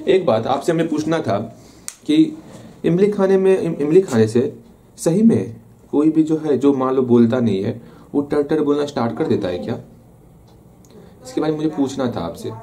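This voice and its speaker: A science teacher with a warm, medium-pitched voice runs a casual revision lesson, playfully repeating key terms and posing questions he then answers himself. There is slight background noise.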